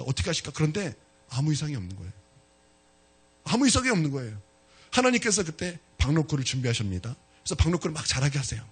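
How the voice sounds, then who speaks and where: Pastor guy preaching, high voice that swings all over, kinda husky, talks right to the church. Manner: animated storytelling, addressing the congregation directly. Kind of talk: sermon.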